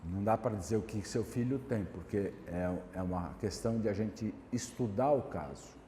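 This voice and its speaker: Brazilian man, pastor-lecturer, warm low-key tone, measured and repetitive, roomy hall sound. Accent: Brazilian Portuguese. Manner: measured, repeats points, asks "tá certo?". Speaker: pastor and lecturer answering questions. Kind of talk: classroom Q&A answer. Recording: echoey hall, light background hiss.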